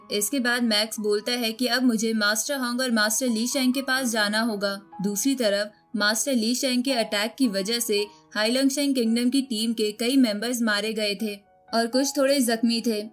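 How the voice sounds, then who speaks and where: A woman reading a scripted story recap as a narrator. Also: on the high side.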